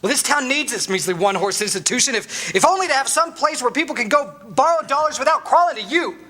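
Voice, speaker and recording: An actor playing an earnest, restless young small-town dreamer in a 1940s radio drama style, with a halting, stammering, excitable delivery. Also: male voice, very high voice, heavily acted. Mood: indignant. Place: live stage reading at microphones.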